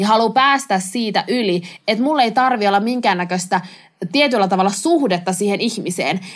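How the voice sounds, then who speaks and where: With a normal speaking voice, a woman talks at a fairly quick pace, a medium pitch and lively intonation. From Helsinki, Finland. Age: 20s. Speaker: podcast co-host, student. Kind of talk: casual chat.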